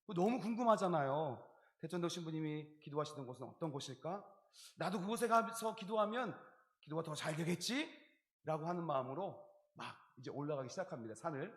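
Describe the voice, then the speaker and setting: A man's voice: fairly high pitch, animated, fairly quick. A male pastor giving a sermon, telling a personal story and acting out his own inner dialogue, sometimes singing lines of a hymn. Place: church sanctuary. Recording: echoey church hall recording.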